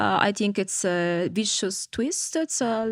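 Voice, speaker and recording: At a fairly slow pace, a woman with an Italian accent speaks at medium pitch with ordinary pitch variation. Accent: Italian accent, clearly noticeable. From Italy. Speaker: podcast guest, wife of the host. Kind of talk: casual chat. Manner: hesitant, with many fillers.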